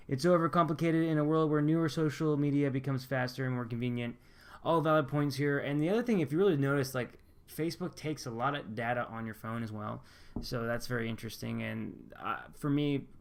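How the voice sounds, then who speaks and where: A man's voice: medium pitch, gravelly, smooth. A young American man from Pennsylvania, chatting casually on his channel as he reads viewer comments aloud and answers them with loose, upbeat restarts. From Pennsylvania, USA. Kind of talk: casual vlog chat, reading comments aloud.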